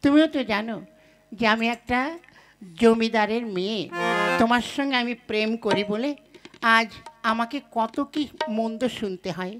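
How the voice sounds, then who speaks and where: A woman's voice: fairly high pitch, moderate pace, pauses often, close to an everyday voice. Woman acting a sulky young village sweetheart, music behind. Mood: complaining, coaxing. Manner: pouting, scolding, coquettish. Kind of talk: folk puppet comedy acting in Bengali.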